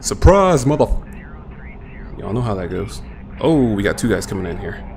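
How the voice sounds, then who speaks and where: Over noticeable background noise, a man mumbles at a fairly quick pace and a fairly low pitch, with very wide pitch swings and big swings in loudness. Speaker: gaming streamer. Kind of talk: live gameplay commentary. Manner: mumbling.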